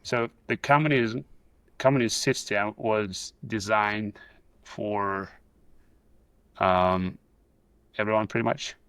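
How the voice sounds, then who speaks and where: A man's voice: lowish voice, fairly even intonation, slow, pauses often, a bit bright, clear, resonant tone, no room sound. A middle-aged man with a Russian accent, a guest on a video call, telling his story in a hesitant way with many fillers and restarts. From Soviet Union. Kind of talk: casual video-call interview. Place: pool house.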